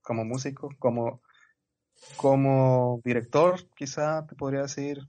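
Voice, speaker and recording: A man's voice: medium pitch, steady tone, unhurried, mellow. A man with a Mexican accent chatting casually on a podcast, laid-back and full of slang. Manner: laid-back slangy talk, peppers sentences with "güey".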